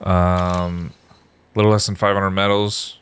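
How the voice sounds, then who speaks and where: Profane, fed-up gamer man, lowish voice. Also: level tone, slow pace, fairly bright tone, clear, resonant tone. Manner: profane, exasperated running commentary. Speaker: gamer playing through a video game. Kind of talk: casual let's-play commentary. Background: game music.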